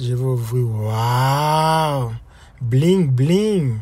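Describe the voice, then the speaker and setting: The man sounds somewhat breathy, recorded dry with no echo. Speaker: YouTuber vlogger. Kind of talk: casual vlog monologue. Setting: in a store, then in office. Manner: informal, hesitant, many fillers. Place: home room. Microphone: phone near.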